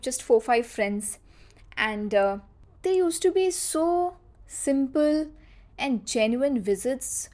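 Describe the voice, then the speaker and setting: A woman in her thirties with a fairly high voice and a South Asian accent hosts a casual solo podcast. She reminisces conversationally, repeating phrases for emphasis. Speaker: podcast host.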